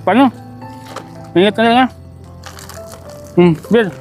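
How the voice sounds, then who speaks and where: A man's voice: high voice, measured pace, a little mellow. A man vlogging outdoors on a sunny street, chatting in a kindly, encouraging way and coaxing with short repeated check-in questions. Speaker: vlogger handing out gifts. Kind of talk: casual on-the-street chat. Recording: background music under the voice.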